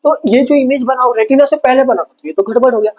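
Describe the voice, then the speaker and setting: A man teaching a lively exam revision lesson, calling the students brother and asking and answering his own questions. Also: extremely high pitch, fast talker, poor audio. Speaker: science teacher.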